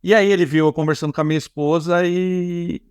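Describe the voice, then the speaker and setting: A man's voice: sits high, fairly even intonation, brisk, a little mellow, smooth, no room sound, studio quality. A man with a Brazilian accent hosting a casual podcast interview, talking in loose, rambling sentences full of restarts and fillers. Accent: Brazilian Portuguese. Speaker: podcast host.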